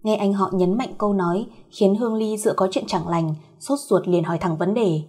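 A woman narrating a scripted late-night story in the manner of a fireside storyteller, with a slightly husky voice. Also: mid-range voice, moderate pace, a little mellow. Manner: fireside storyteller, telling a tale to listeners.

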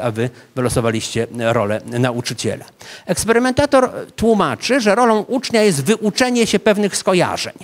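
A man in his fifties lectures a seated audience in an ornate hall, speaking into a handheld microphone. He has a fairly high voice for a man and walks his listeners through the scene like a story, addressing them directly. Small "e" hesitations break up his sentences. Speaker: psychology professor lecturing. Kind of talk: public science lecture.

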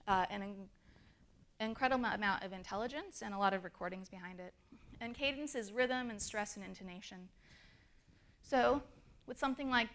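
On a conference stage, a woman with a slightly high, somewhat bright voice gives a talk at a design conference. She explains her points using fillers and demonstrates intonation as she goes.

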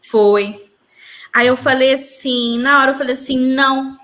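A woman's voice: high-pitched, steady tone, unhurried, a bit bright. Earnest woman recounting spiritual experiences. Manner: earnest, tells her story with reported dialogue. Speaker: interviewee. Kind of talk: personal spiritual testimony.

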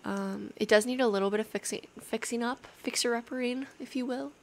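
A young adult woman speaking softly, often half-whispering, in a casual, intimate girlfriend roleplay with a slightly hesitant delivery. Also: a little high, a little fast. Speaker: ASMR roleplay performer playing an affectionate girlfriend. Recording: clear background noise, rainy night ambience. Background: rain ambience.

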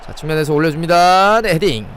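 A young man with a fairly high voice streams a football video game at a quick pace. He calls the plays with excitable live commentary and chats with viewers between moments of action.

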